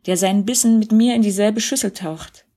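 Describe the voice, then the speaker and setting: A woman voicing Jesus as a gentle, sorrowful grown man in a storybook reading, speaking softly and earnestly. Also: medium pitch, fairly even intonation, brisk, husky, natural voice.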